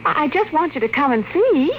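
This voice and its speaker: A woman's voice: high-pitched, very animated, normal speed, highs cut off, slight background noise. A woman playing an anxious, insistent American wife and mother in a 1950s radio drama. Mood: worried, insistent. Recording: old radio broadcast recording.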